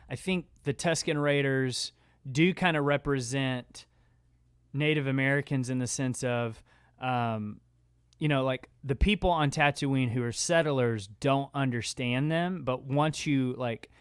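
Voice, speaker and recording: Guy cohosting a podcast, smooth clear voice, close dry sound, chats casually and says like a lot. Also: mid-range voice, no room sound. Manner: conversational, peppers speech with "like". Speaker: podcast co-host. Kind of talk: casual discussion.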